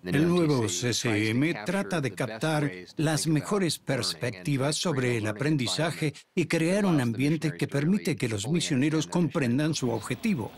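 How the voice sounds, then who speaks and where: A man giving interview remarks in a slow, deliberate manner. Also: fairly high pitch, expressive, a crowd in the background.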